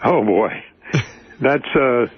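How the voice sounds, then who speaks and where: A man's voice: medium pitch, takes it slowly. A polite man being interviewed by phone, rambling and hesitant. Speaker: phone guest, haunted house expert. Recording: muffled phone line.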